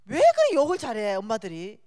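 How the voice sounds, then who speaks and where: A woman giving a sermon as a guest speaker in a church, animated and chatty, joking with the congregation. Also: fairly high pitch, a little fast. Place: church sanctuary. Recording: long reverb of a church hall.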